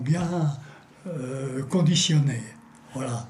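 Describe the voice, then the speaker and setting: A man's fairly high voice with ordinary pitch variation, noticeable background noise and audible room echo. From eastern France, Franche-Comté (near Montbéliard). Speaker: concentration camp survivor. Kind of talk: interview testimony. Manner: halting, many hesitations.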